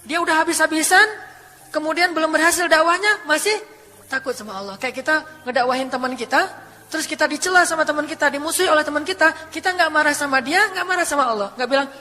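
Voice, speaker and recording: A man's voice: very high-pitched, fast, sharp tone. A male preacher telling religious stories in a casual, conversational, emotive sermon on a handheld mic in a lecture hall. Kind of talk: storytelling sermon. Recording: long hall reverb, faint music.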